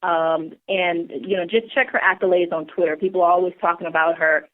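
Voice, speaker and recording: A woman's voice: fairly low pitch, fairly even intonation. Eager podcast co-host woman on phone line. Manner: enthusiastic, earnest, a bit halting. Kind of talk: podcast hosting, reading a bio. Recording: tinny phone-line audio.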